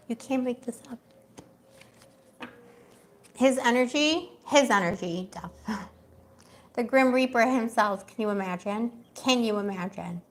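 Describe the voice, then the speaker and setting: Gossipy tarot streamer, woman, slightly high voice, a bit worn. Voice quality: gossipy, chatty, laughs often. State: losing her voice. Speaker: tarot reader. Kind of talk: casual livestream tarot reading.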